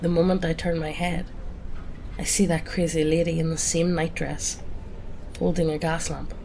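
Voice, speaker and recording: Woman narrator, low voice, gravelly, a cold, calm storytelling, faint hiss. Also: moderate pace. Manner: calm first-person storytelling. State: has a cold. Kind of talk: reading a greentext horror story.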